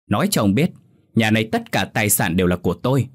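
A man's voice: lowish voice, sing-song, fast. A man doing a scolding village wife. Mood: defiant. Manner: scolding, indignant. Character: sharp-tongued middle-aged village wife, scornful.

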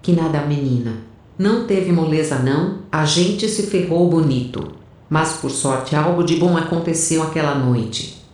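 A woman's voice: low-pitched, measured pace, darkish tone. A woman playing a brash, cocky rebel soldier in an audio drama, speaking in a slangy, self-assured way. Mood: sassy. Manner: colloquial, sassy, self-assured. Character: brash, cocky, foul-mouthed female rebel soldier telling her tale. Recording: very echoey room.

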